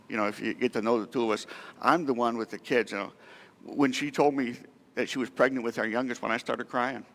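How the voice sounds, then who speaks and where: A man's voice: medium pitch, long reverb tail. A middle-aged man preaching a sermon as pastor, speaking in a conversational, emotional way and asking the congregation many questions. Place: church sanctuary.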